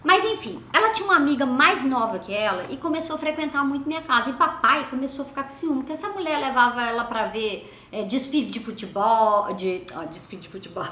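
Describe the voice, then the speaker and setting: An older woman with a Brazilian accent, chatting through family memories. Her voice is piercingly bright and a bit high, and it sinks into soft asides. It is recorded in an echoey room with faint ambience behind her. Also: lively intonation, fast talker, few pauses. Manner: chatty, often trails off into soft low asides. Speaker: vlogger. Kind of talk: casual family storytelling.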